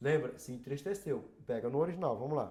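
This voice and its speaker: Lively in intonation, a man speaks with a dark, mellow tone. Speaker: preacher. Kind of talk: sermon. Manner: animated, exhorting.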